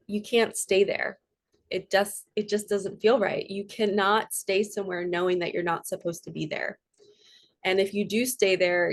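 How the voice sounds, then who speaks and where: A woman giving a casual spiritual reading to her viewers in a chatty, earnest and rambling way, her voice a little froggy and nasal. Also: medium pitch. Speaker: spiritual coach and tarot reader.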